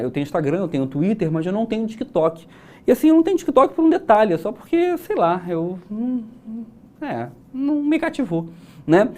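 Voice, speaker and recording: A man's voice: high-pitched, a little mellow. A young Brazilian man teaching an exam-prep class, chatty and explanatory, asking rhetorical questions. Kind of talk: recorded exam-prep lesson.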